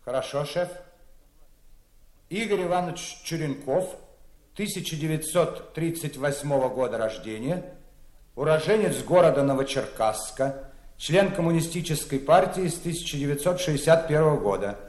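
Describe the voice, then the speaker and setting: A man's voice: on the high side, animated, moderate pace, darkish tone, reverberant, natural voice. An actor playing a dutiful male subordinate who reads out a formal, businesslike report.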